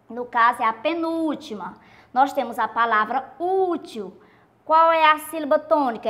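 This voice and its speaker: A woman teacher with a Brazilian Portuguese accent walks students through a recorded lesson in a high, bright voice. She explains patiently and repeats herself, slowing down to stress each syllable of her example words.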